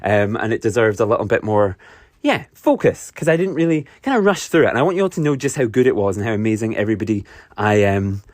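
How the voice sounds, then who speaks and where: A man's voice: on the low side, sing-song, fast talker, no echo, studio quality. A man with a Scottish accent hosting a podcast, chatting enthusiastically and rambling a little, with lots of fillers and restarts. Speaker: podcast host. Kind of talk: casual solo podcast recap.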